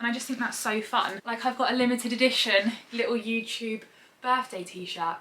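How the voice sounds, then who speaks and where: The speech moves at a fairly quick pace. Noticeable background noise runs underneath it. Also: woman. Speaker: lifestyle vlogger. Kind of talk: vlog to camera. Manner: fast; animated.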